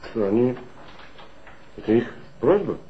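A man's voice: medium pitch, very animated, measured pace, slight background noise. An actor playing a terse, cool male police inspector in a 1960s radio play, speaking in short, clipped replies. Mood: subdued. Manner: clipped, curt. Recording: dull lo-fi old radio recording.

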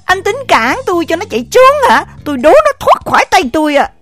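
An actress with a Southern Vietnamese accent playing a jealous, furious village wife, scolding in a shrill, rapid-fire voice in an audio drama. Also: female voice, sing-song, faint music behind.

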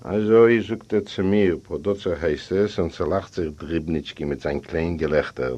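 A man giving an expressive literary reading of a story, with lively storytelling and shifts in tone for quoted speakers. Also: low voice, moderate pace. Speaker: audiobook reader. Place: library recording room. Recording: dull lo-fi tape recording.

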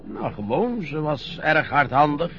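An actor playing a frail, grumbling old former sailor who talks hesitantly and teases. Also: male voice, fairly high pitch, very animated, a little slow. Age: older. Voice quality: gravelly, hesitant, teasing. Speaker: elderly former sailor being bathed. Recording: dull lo-fi radio play recording.

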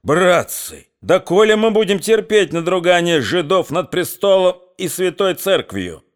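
A man's voice: sits high, animated, measured pace, voice pushed up. A man reading a story aloud, voicing a nasal, brutish red-haired man who bellows and bullies. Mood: bellowing. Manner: bellowing, bullying.

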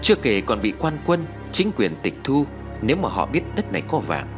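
Expressive male storyteller. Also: medium pitch, normal speed. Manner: dramatic, expressive reading. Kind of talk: scripted story narration. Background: faint music.

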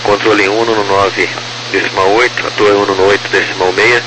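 A man's voice: on the low side, fairly even intonation, moderate pace. Brazilian male air traffic controller on noisy radio. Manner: formal, procedural. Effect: radio transmission. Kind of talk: radio callouts, clipped procedural phraseology.

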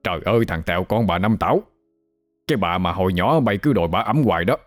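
A man doing a gruff old village grandfather. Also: deep voice, lively intonation, faint music behind. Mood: gruff hurried. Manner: gruff, hurried, scolding.

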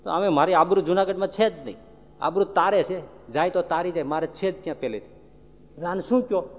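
Man, preacher, devotional storytelling, animated, high voice, long hall reverb. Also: fairly quick, highs cut off. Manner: animated, acts out characters, addresses audience directly.

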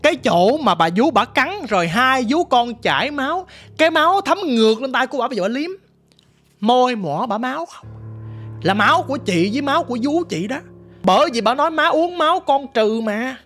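A woman's voice: fairly high pitch, fairly bright tone, breathy edge. A woman with a Southern Vietnamese accent telling her ghost story in a vivid, dramatic, casual way, talking straight to the listener. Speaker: storyteller guest.

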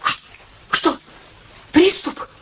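An actress playing a nervous, bossy middle-aged spinster daughter in a radio play, fussy and easily flustered. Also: female voice, very slow. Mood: bossy, fussing. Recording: clearly noisy radio drama recording.

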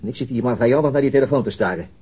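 An actor playing a weary, worried police detective in a radio drama, with a husky voice and a brooding, measured manner. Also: male voice, medium pitch, warm tone, natural voice. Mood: weary, frustrated.

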